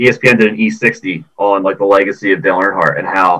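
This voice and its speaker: A man with a plain, everyday voice, pitched fairly low. His pitch varies by an ordinary amount. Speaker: sports talk co-host. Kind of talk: casual sports talk banter.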